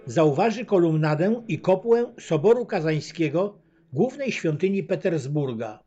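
A man giving a scripted travel narration as a voice-over, reading facts and figures in a measured, even way. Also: a little high. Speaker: documentary narrator. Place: voice-over, not recorded at the pictured site. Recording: dull lo-fi voice-over with faint choir music.

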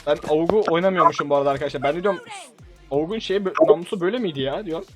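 A young gaming YouTuber talks very fast in a high-leaning voice, with music playing behind him. He gives excited, playful commentary on a shooter match for his channel, teasing and breaking into laughing shouts.

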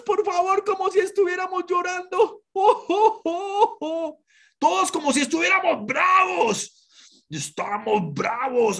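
Woman presenter for children, husky voice, lively and full of questions. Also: medium pitch. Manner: animated, asks children questions and has them repeat words.

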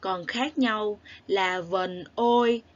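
A woman teacher with a southern Vietnamese accent addresses young children in a slow, patient recorded lesson. She draws out each sound as she spells, asks gentle questions, and praises the class. Her voice sits in a middle pitch, and the recording sounds slightly dull and muffled. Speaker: primary school teacher.

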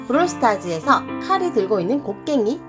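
A woman hosting a children's craft lesson in a bright, squeaky sing-song welcoming manner, full of playful exclamations and sound words. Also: very animated, fairly quick, loud music behind the voice. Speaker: host of a children's origami tutorial.

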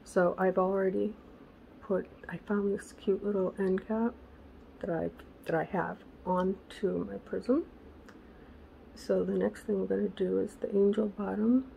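A woman hosting a casual crafting tutorial, chatty and correcting herself, her voice raspy because she is losing it. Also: mid-range voice, fairly even intonation, unhurried, warm tone, a little hiss or hum, rough recording. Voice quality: gravelly. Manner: chatty, self-correcting, muttering asides to herself. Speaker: craft channel host.

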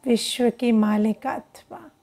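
A woman leading a guided meditation in a hushed, deliberate way, speaking in short phrases with long pauses. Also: fairly high pitch, creaky.

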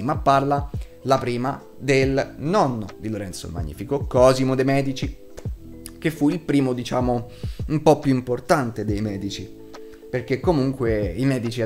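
A young man in his twenties delivers a blunt, emphatic review in a casual, sweary way. His voice sits at a middling pitch. Music plays behind him as he talks. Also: darkish tone. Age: 20s. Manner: blunt, foul-mouthed, emphatic. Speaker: video reviewer. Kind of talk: casual opinionated review to camera. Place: small room at home, indoors.

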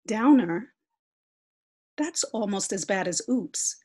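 A woman's voice: mid-range voice, unhurried, husky. A woman voicing an exasperated teenage girl who rants indignantly at her brother. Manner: indignant, emphatic ranting.

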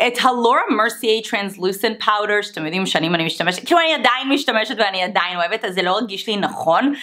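A woman's voice: medium pitch, a bit bright. A woman, chatting casually through a makeup tutorial and slipping into English exclamations. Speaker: beauty vlogger.

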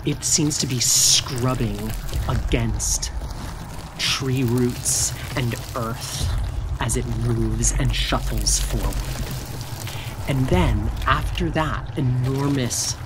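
A game master narrating a tabletop fantasy game with suspense, deliberate delivery and dramatic pauses. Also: mid-range voice, very noisy.

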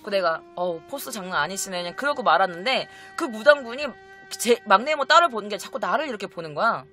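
Lively, bright-voiced young woman storyteller. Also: mid-range voice, quick pace. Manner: animated, acts out quoted relatives in shifting voices. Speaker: vlogger telling a story. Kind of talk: casual storytelling to camera. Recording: faint music behind.

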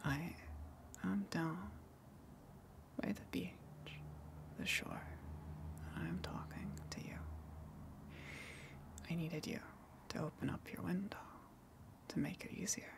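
Woman as a slowly whispering, luring eldritch monster. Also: lowish voice. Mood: reassuring, luring. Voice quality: breathy whisper. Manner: slow, coaxing, soothing, with long pauses. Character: gentle, luring eldritch tentacle sea monster, female. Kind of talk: ASMR roleplay.

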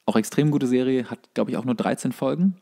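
Man, podcast co-host, soft dark tone, rapid pace, casual entertainment chat. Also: mid-range voice, creaky. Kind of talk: casual film and series chat.

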